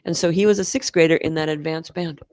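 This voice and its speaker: A woman's voice: deep voice, steady tone, fast talker, no room sound, studio quality. A middle-aged woman, a school band director, talking as a guest in an interview, telling stories and laughing easily. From Oregon, US. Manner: warm storytelling, laughs easily. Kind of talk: conversational interview.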